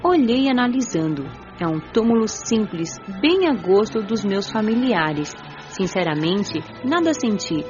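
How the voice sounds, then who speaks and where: A woman playing a gentle, devout young spirit who recounts the afterlife in measured, reflective radio drama narration. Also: mid-range voice, sing-song, highs cut off. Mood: reflective, serene. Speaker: narrator and lead of an audio drama. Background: music.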